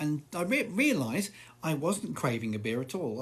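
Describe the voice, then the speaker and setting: A man speaks in a somewhat breathy voice. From England, Norfolk. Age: 60s. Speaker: live streamer discussing alcohol addiction. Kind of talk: live stream Q&A reading comments. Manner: casual, conversational.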